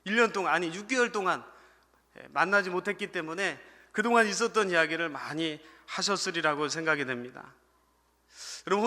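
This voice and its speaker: A man's voice: high voice, sharp tone. A man preaching a Sunday sermon as associate pastor, often calling out to the congregation and telling a humorous story. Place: church sanctuary. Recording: church hall reverb.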